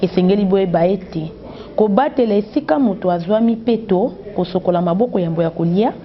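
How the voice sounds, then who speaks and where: A woman news reporter, reading a report with a steady delivery. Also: medium pitch, brisk. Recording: dull lo-fi news audio.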